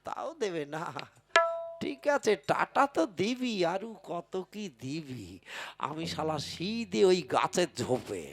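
A man voicing a sly, clever village husband in a comic folk puppet show, muttering quick asides to himself. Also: high voice, sing-song, sharp tone, heavily acted. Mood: scheming. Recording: tabla music behind. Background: tabla and folk music.

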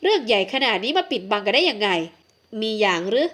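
A woman's voice: a little high, very animated, fast, a bit bright. Woman voicing fussy elderly noblewoman. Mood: indignant. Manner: fussy, scolding, affectionate. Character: elderly aristocratic aunt, doting yet bossy. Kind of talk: audiobook character voice.

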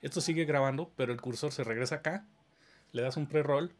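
A man's voice: on the high side, brisk. A man, teaching in a casual conversation and explaining dubbing work patiently, often checking whether his listener follows. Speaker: audio engineering teacher.

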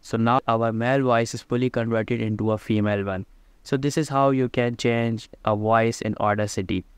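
A man giving plain step-by-step instructions over a screen recording of a software tutorial. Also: medium pitch, fairly even intonation, clean tone, no echo. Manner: plain step-by-step instructions, slightly halting phrasing. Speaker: tutorial presenter.

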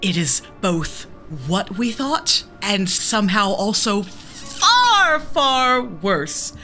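A woman playing an earnest, shaken seer in an actual-play audio drama, speaking deliberately and dramatically. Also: mid-range voice, sing-song, bright, forceful tone, soft background music, full character voice. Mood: grave. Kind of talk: actual-play role-play narration.

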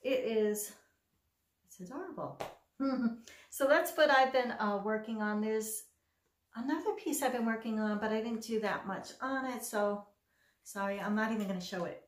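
A woman's voice: on the high side, moderate pace. Middle-aged woman hosting a casual crafting vlog; upbeat show-and-tell, recorded in a roomy, echoey space. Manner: chatty, self-deprecating, enthusiastic. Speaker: cross stitch vlogger. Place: home craft room.

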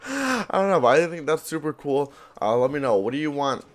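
A man's voice: a little high, sing-song, fairly quick. A young man hosting a gaming video with casual, hyped commentary in informal, rambling, slangy speech. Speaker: gaming YouTuber, host.

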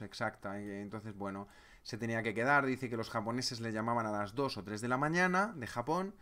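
A man's voice: medium pitch, a bit bright. A man from presenting a live trading webinar, chatty, retelling stories and answering viewers' comments.

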